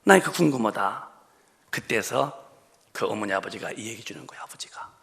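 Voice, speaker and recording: A man preaching in a church, with a heavily gravelly, crackling voice. His pitch swings widely as he tells a moving story and presses the congregation with rhetorical questions. His tone is bright and slightly high. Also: lively intonation, normal speed. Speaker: pastor. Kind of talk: sermon. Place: church sanctuary.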